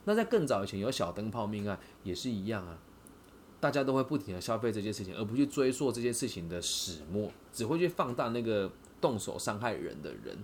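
A man with a Taiwanese Mandarin accent talks quickly, with his pitch swinging widely. He hosts a podcast in a casual storytelling style and keeps checking that his listeners follow along. A faint hiss sits under his voice. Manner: lively, asks listeners rhetorical questions. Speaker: podcast host.

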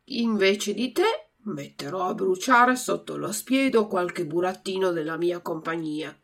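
A woman voicing a stern bearded puppet master who talks loudly and barks orders. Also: lowish voice, expressive, unhurried. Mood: gruff. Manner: loud, barking commands. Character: gruff bearded male puppet master, stern but soft-hearted.

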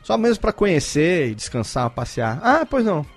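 A man's voice: fairly high pitch, normal speed, soft background music. A Brazilian man, a podcast host, telling a story to friends in casual chat, acting out both sides of a conversation. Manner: animated, acts out both sides of a dialogue.

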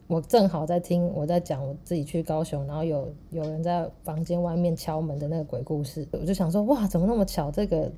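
A woman with a Taiwanese Mandarin accent, chatting as a podcast co-host. She talks quickly and animatedly, with a very dark, mellow tone. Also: deep voice, slight background noise. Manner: animated, laughs through her story. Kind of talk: casual storytelling chat.

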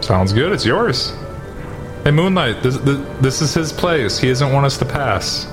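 A man playing a tabletop game, improvising casual role-play in a deadpan manner. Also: mid-range voice, a little slow, music in the background.

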